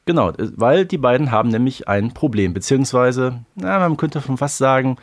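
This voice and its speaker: A man's voice: mid-range voice, lively intonation, moderate pace. Explanatory male podcast co-host in his forties. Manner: explanatory, leading the discussion. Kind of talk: casual podcast chat.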